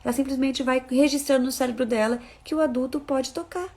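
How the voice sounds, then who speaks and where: A woman with a somewhat high voice gives a live talk as a parenting educator. She is emphatic, driving her points home by repeating phrases and calling out to her audience, and now and then she reads viewer comments aloud. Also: steady tone, fairly quick, a little mellow. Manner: emphatic, repeats key phrases, addresses listeners as "gente".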